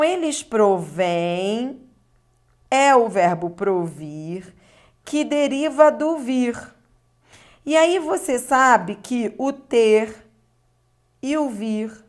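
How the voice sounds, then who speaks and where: Woman, unhurried delivery, patient grammar teacher, frequent check-in questions. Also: fairly high pitch. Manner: explanatory, checks understanding with tag questions. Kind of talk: video lesson on grammar exercises.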